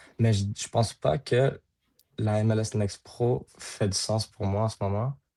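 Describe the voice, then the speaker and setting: A man speaks very slowly in a dark, mellow tone, his pitch fairly low and his intonation fairly even, against a quiet background. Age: 20s. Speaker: professional soccer player. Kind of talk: interview.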